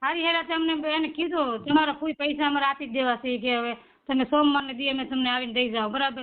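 A woman's high-pitched voice carries fairly even intonation. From Gujarat, Bhavnagar district (Saurashtra). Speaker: complainant caller. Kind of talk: phone complaint conversation. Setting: phone call. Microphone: voice sounds doubled on the line.

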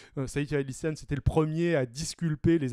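A man speaks with fairly even intonation and a dark, mellow tone. The background is quiet and the sound is dry with no echo. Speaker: political commentary co-host. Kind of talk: casual explanatory chat. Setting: recorded video, offline. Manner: hesitant, many fillers. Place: home room. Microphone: handheld.

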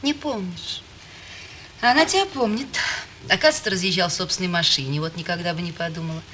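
A woman rattles off her words at a very fast pace, with light background noise behind her. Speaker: film actress in a role. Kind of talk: acted dialogue, casual gossip. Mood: teasing, curious, lightly provocative. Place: cafe.

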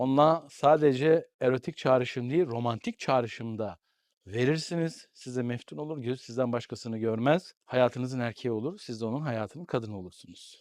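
A man's medium-pitched voice with ordinary pitch variation and hardly any pauses, dry and close with no echo, over a quiet background. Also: moderate pace. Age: 50s. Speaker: psychologist. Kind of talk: advice monologue to camera. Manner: emphatic, forceful; rhetorical, repetitive.

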